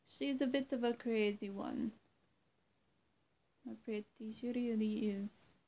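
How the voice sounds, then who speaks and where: Young woman, vampire roleplay, slightly high voice, creaky, halting, coaxing and menacing, whispery dips. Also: warm tone. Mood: coaxing, secretive. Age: young adult. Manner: slow, halting, often dropping to a whisper. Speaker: roleplay performer. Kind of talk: in-character vampire roleplay to the listener. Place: small room indoors.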